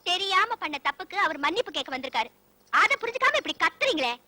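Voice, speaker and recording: An actress playing a strict young bride in a film comedy, firm and lecturing. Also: female voice, very high voice, very animated, fast, bright, forceful tone, dry recording, exaggerated voice. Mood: scolding. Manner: firm, lecturing, proverb-quoting. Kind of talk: 1990s Tamil film comedy acting.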